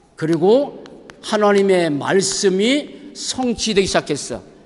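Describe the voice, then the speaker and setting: A high-pitched man speaks very slowly with lively intonation. Audible room echo and noticeable background noise surround him. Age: 60s. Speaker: pastor. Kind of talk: sermon.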